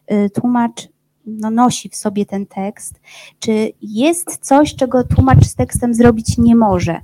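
Polite woman interviewer, mellow voice. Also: fairly high pitch, poor audio. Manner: polite, formal questioning. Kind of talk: interview questions.

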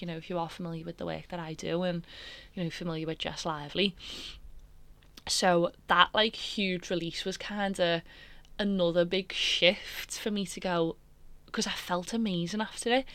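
A woman's voice: fairly low pitch, a bit bright, no room sound. A woman hosting a podcast, telling her own story in a candid, emotional, rambling way with many fillers. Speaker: podcast host.

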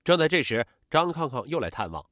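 A man narrating a true-crime case as a scripted story, in a steady, dramatic storytelling manner. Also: a little high, fairly quick, dry recording, clean studio sound.

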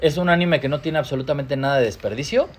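A Mexican man in his thirties, a podcast guest, talking excitedly in slangy, swearing casual chat. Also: on the high side, fast talker, slightly rough. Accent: Mexican Spanish. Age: 30s.

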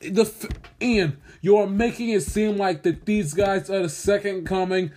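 A man's voice: high-pitched, fairly even intonation, a little slow, darkish tone, soft background music. A man in a heated sports debate, combative and mocking, rattling off statistics to win the argument.

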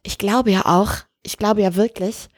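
A woman's voice: mid-range voice, steady tone, measured pace, no room sound, studio quality. A woman co-hosting a casual chat podcast from a room at home, talking anxiously with frequent panicked exclamations. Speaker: podcast co-host.

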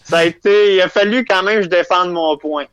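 A young Québécois comedian with a high, smooth, somewhat bright voice talks a little fast during a casual interview, rambling with frequent fillers and restarts while amusing himself. The recording is dry, slightly dull, and lo-fi.

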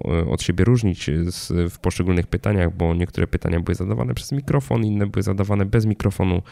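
Deep, gravelly man introducing a podcast. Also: mellow, dry recording, studio quality. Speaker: podcast host. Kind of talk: podcast introduction, spoken narration.

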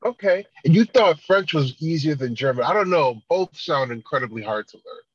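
A man's voice: fairly high pitch, expressive, moderate pace, slightly rough, dry recording, lo-fi sound. A man co-hosting a podcast who chats casually, exclaiming and laughing along with the guest. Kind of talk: casual chat.

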